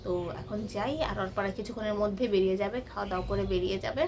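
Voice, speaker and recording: A young woman chatting her way through a home vlog in a casual style, now and then hushing her voice to a near-whisper. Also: medium pitch, steady tone, racing. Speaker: vlogger. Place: family home. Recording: noisy home video with background noise.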